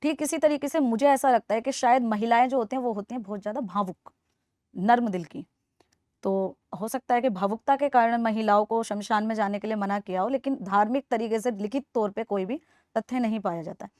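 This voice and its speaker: A young woman from Delhi speaks earnestly as a podcast guest, pressing her points and coming back to them again and again. Her voice sits fairly high, and the recording is close and dry. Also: fairly quick, darkish tone, dry recording. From Delhi, India. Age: 20s. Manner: earnest, persuasive, repeats points for emphasis. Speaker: interview guest. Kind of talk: earnest podcast interview answers.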